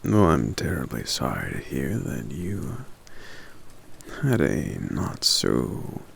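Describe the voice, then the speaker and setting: A man voicing a gentle, courteous forest giant in an ASMR roleplay, speaking softly and hesitantly with polite hums and pauses. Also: wildly swooping pitch, heavily acted. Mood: gentle, caring. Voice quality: very deep, gravelly.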